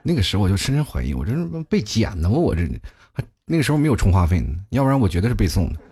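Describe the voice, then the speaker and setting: A man's voice: fairly low pitch, very animated, very fast, noisy background. A man telling funny stories in a chatty comic monologue as a talk show host, often laughing at his own jokes.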